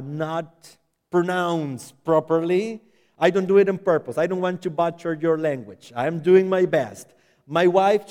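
A man in his thirties from Nicaragua, a Spanish native speaker with a Spanish accent, preaching in halting English with frequent restarts. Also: sits high, a little mellow. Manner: halting, self-correcting second-language English. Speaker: visiting missionary preacher. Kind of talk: sermon with personal introduction. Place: church sanctuary. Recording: large hall with long reverb.

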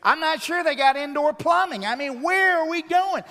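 A man preaching a sermon, telling stories in an animated, jokey way. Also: extremely high pitch, normal speed. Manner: animated, jokey anecdotal delivery. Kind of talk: humorous sermon storytelling. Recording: long reverb of a large hall.

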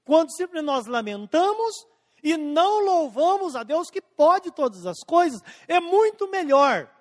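A man preaching a sermon as pastor, slowing down and stretching out scripture quotes, swinging between emphatic and hushed lines. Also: very high voice, very animated. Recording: long hall reverb.

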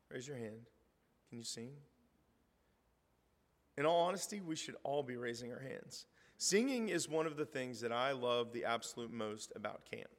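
A middle-aged man preaching a sermon, his voice hoarse, talking conversationally and reading scripture aloud with rising emphasis. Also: mid-range voice. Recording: reverberant hall.

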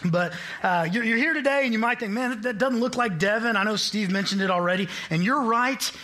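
A man's voice: sits high, a little fast, pushed and bright, slight background noise. A man in his late twenties from Kansas, a guest preacher giving an upbeat, joking sermon to a church congregation. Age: late 20s. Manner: upbeat, self-deprecating, joking. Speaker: guest preacher, college admissions staff. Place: church sanctuary.

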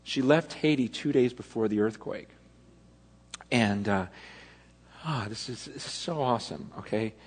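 A man's voice: medium pitch, measured pace, pauses often, breathy edge. A man preaching a sermon as pastor, telling personal stories in a loose, self-interrupting way that loses its thread and circles back. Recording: long reverb of a large hall.

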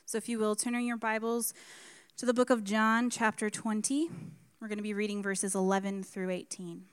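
A woman's voice: medium pitch, level tone, clean tone. Woman reading scripture at a pulpit microphone. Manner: measured, careful reading with announced references. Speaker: scripture reader. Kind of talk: reading scripture aloud in a church service. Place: church sanctuary.

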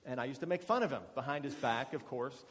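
A man's voice: mid-range voice, fast, a bit bright, a little hiss or hum. A man in his forties giving a chatty, self-deprecating testimony as a guest speaker at a church, with many fillers and restarts. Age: 40s. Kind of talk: testimony talk to a congregation. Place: church meeting hall. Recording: reverberant church hall.

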